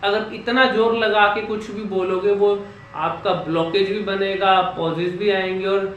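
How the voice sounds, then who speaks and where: High-voiced man coaching speech, echoey room. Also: little pitch movement, a bit bright, dull audio, slight background noise. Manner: slow drilled syllables, explanatory. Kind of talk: instructional vlog. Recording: echoey room with faint ambience.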